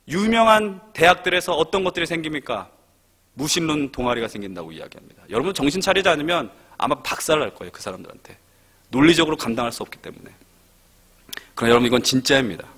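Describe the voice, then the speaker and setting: A man's voice: sits high, bright, forceful tone. A young man preaching a sermon in a church, speaking to the congregation with many rhetorical questions. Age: young adult. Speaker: pastor. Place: church sanctuary.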